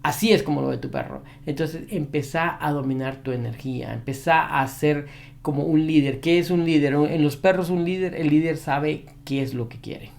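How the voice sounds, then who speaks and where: A man's voice: on the high side, normal speed, gravelly, a little mellow. A man who trains dogs giving an advice monologue to camera, repeating his key points with emphasis. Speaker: dog behavior trainer.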